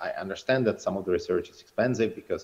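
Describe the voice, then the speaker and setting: A man at a very fast pace. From Czech Republic. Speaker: capital markets panelist. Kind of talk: panel discussion.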